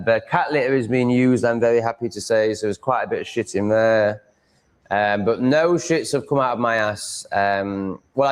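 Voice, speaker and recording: A man with a Yorkshire accent chatting casually as a livestream host, rambling in a blunt, crude, sweary way. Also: lowish voice. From Yorkshire, England.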